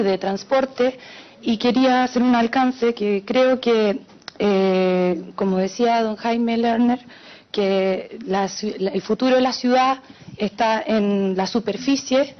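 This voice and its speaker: Chilean woman, slightly high voice, dull audio. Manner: hesitant, many fillers, explaining earnestly. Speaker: audience member asking a question. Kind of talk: audience comment at a panel.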